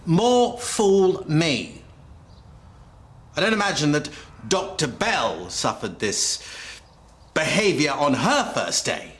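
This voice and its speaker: An actor playing a pompous, theatrical doctor with a British accent in a naturalistic TV drama. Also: male voice, mid-range voice, very animated, moderate pace, a bit bright. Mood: pompous, indignant. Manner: theatrical, mock-indignant, wordy. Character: pompous, jokey new male doctor at a surgery.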